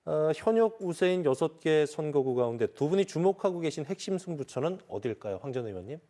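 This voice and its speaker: A man hosting a live current-affairs panel show, reading poll figures in a clear, even announcer delivery and questioning his guests. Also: fairly high pitch, brisk. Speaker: news talk show host. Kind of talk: broadcast panel moderation.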